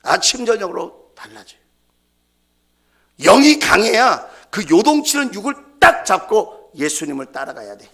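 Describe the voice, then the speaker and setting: A man preaches in a church with a high, sweeping voice that leaps about in pitch. He builds emphatic waves of repeated phrases, rising to shouts and dropping to hushed near-whispers. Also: sing-song, moderate pace, gravelly, slightly rough. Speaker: senior pastor. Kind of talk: Wednesday prayer-meeting sermon. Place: church sanctuary.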